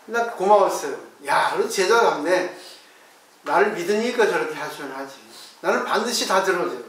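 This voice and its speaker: A man's voice: high-pitched, lively intonation, moderate pace, fairly bright tone, far from the mic. A man, a Buddhist monk, giving a conversational dharma talk and asking his listeners rhetorical questions. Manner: acts out his own replies to disciples. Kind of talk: dharma talk on a Zen text. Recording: very echoey room, voice from off the mic.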